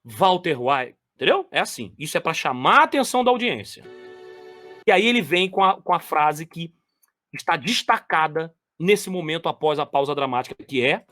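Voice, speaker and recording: A man's voice: a little high, big pitch swings, normal speed, sharp tone, no echo, soft background music. A man giving commentary on lecture clips. He talks straight to his viewers, stressing and repeating phrases.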